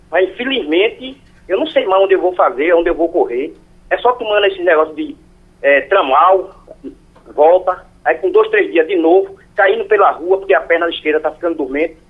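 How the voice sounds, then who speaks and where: A man, calling in with a halting, pleading question that repeats itself. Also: high voice, husky. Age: 60s. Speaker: caller. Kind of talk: phone-in question. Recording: phone line.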